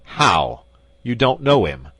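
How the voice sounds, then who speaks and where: A man's voice: low-pitched, big pitch swings, moderate pace, dry recording. A man playing a stern interrogating commissary. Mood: exasperated. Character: stern, pompous male police commissary.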